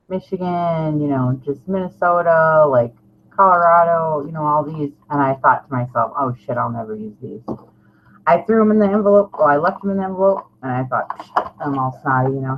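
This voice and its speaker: A middle-aged woman chatting casually and ramblingly to viewers as a craft vlogger, informal, self-deprecating and a little salty. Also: low voice. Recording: dull lo-fi sound, clear background noise.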